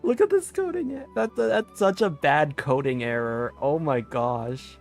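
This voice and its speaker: A man's voice: a little high, lively intonation, measured pace, faint music behind. A man giving casual live commentary as a game streamer.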